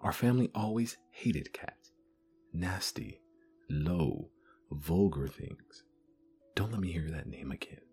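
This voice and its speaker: A man's voice: sits low, lively intonation, slow, pauses often, mellow, faint music behind, full character voice. A man voicing a touchy, easily offended mouse who speaks with passionate indignation.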